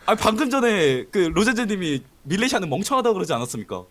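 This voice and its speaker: A man's voice: high voice, big pitch swings, fast talker, a bit bright. A man as a guest on a voice-chat talk show, joking in a mock-serious way. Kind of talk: casual call-in chat.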